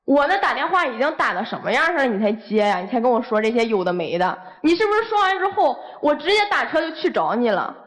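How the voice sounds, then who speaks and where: A woman's voice: on the high side, sing-song, quick pace, hardly any pauses, a bit bright. A young woman, a guest airing heated, accusing complaints about her boyfriend. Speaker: guest on dating show.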